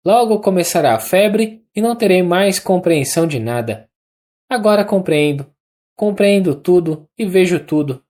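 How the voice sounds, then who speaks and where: A narrator with a Brazilian accent voicing a young woman, feverish and delirious after childbirth, talking in a rapid, urgent, raised pleading voice. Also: medium pitch, expressive, a little mellow, pitched above the performer's own voice, natural voice. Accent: Brazilian Portuguese.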